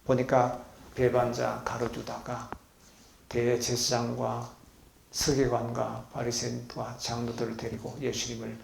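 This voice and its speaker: A man preaching as a pastor, leading the congregation in reading and call-and-response, moving between loud exclamations and soft low asides. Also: completely flat delivery, measured pace, creaky, a little hiss or hum. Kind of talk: sermon with congregation reading along. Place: healing center meeting hall. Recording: echoey hall.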